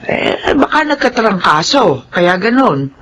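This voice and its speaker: A man's voice: high voice, big pitch swings, slow, pushed and bright, heavily acted. An actor playing a fatherly older uncle who scolds his nephew but cares for him. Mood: scolding.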